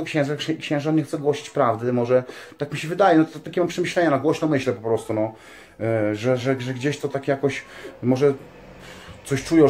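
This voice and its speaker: A man's voice: mid-range voice, darkish tone, a little hiss or hum. A man speaking earnestly in a casual spiritual monologue, rambling with many fillers and tag questions and calling his listeners dear ones. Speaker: religious vlogger.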